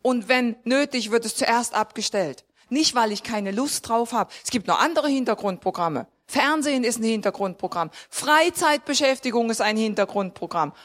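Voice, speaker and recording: A woman's voice: fairly high pitch, lively intonation, normal speed, few pauses, fairly bright tone. A woman preaching a sermon in a conversational way, asking her listeners questions directly and rising to emphatic points.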